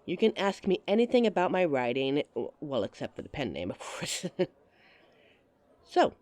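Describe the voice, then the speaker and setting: A playful woman speaks straight to the listener in a scripted roleplay, teasing and often laughing. Her pitch swings up and down with a lot of life. She is recorded close on a dry, dead mic. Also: very animated, moderate pace, darkish tone, dry recording. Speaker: audio roleplay performer.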